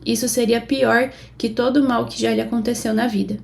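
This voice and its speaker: With a fairly high, creaky voice and a slightly fast pace, a woman with a Brazilian Portuguese accent reads Bible passages aloud over slight background noise. Her steady delivery lifts for quoted speech.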